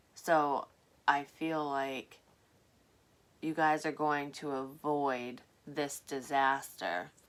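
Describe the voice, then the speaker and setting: A woman's quiet, very deep, low-pitched voice with monotone, flat intonation. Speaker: psychic tarot reader. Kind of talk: tarot reading monologue. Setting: at home at night. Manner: quiet, keeping volume low; casual, swearing.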